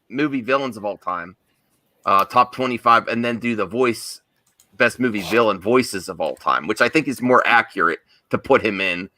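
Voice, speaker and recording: A man's voice: mid-range voice, sharp tone, dry recording. A man hosting an online fan show in a casual livestream chat style.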